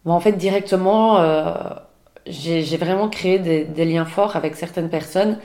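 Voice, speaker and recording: Low-voiced woman in an echoey room. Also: normal speed, dark tone. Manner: hesitant, many restarts and fillers. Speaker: guest. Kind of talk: casual conversation. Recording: roomy echo.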